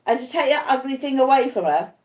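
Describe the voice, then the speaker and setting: A dying man voiced by a woman reader raves in terror of a ghost. The pitch is raised and the pleas come in panicked cries, as in a dramatic audiobook, recorded in an echoing room. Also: animated, fast, a little mellow. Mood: anxious, weakening. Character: terrified, raving dying man, haunted by a ghost. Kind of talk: audiobook character acting.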